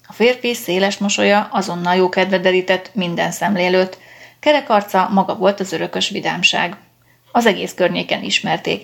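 A woman's voice: fairly low pitch, vocal fry, fairly bright tone. A woman narrating a story in an audiobook reading, telling it steadily and expressively.

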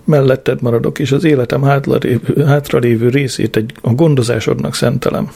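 A man's voice: mid-range voice, steady tone, vocal fry, mellow, breathy edge. A man voicing a ruined, self-pitying young man who pleads through tears. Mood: sobbing, pleading. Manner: tearful, pleading.

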